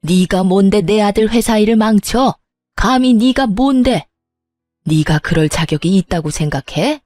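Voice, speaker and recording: A vicious, threatening mother-in-law from an audio storybook, spitting out angry warnings, read by a woman. Her tone is mellow and dark, heard close and dry. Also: mid-range voice, unhurried, no room sound, soft background music, lightly acted. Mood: furious. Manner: shouting threats.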